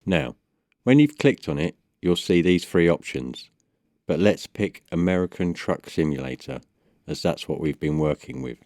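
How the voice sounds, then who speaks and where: A man with a low-pitched voice presents a step-by-step software guide. His delivery is measured and instructional. The sound is dry, with very little room in it. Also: lively intonation, no echo. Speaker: tutorial presenter. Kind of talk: step-by-step software tutorial voice-over.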